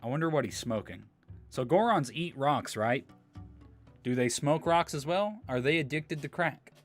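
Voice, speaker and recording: A man's voice: on the high side, expressive, normal speed, faint music behind. A man live streaming a video game, giving casual, slangy commentary and chatting with viewers, with some swearing. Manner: slangy, profane, informal.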